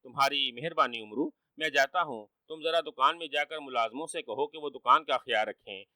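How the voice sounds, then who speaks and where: A man's voice: mid-range voice, bright, forceful tone, no echo. A man voicing a timid middle-aged male jeweler who pleads meekly, in a storybook reading from a distant mic. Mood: pleading. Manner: pleading, meek.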